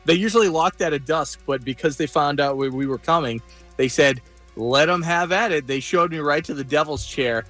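Halting, fairly high-voiced male radio reporter. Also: fairly bright tone, faint music behind. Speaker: radio show field reporter. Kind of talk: casual live on-air storytelling.

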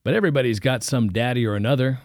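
A gruff older preacher, as a male reader puts him on, blunt and folksy, barking orders with a raised, commanding voice. He sits in a dry, close-miked sound with no room around it. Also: mid-range voice, very fast, no echo, natural voice.

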